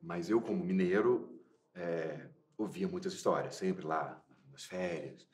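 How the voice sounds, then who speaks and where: In a casual interview, an actor from Minas Gerais, Brazil, answers questions about his film in a low, darkish, unhurried voice. He is hesitant, circling back with repeated fillers and restarts as he hunts for words, and the room echoes around him.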